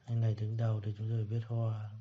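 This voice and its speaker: A man teaching English pronunciation, repeating each word slowly before explaining it. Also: fairly low pitch, monotone, a little hiss or hum. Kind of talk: pronunciation lesson. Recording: dull lo-fi recording.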